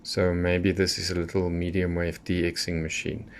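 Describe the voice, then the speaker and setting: Male, deep voice, hobbyist reviewer talking casually and matter-of-factly, clear background noise on the recording. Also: completely flat delivery, normal speed. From South Africa. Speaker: radio hobbyist presenter. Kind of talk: casual unboxing review, unscripted.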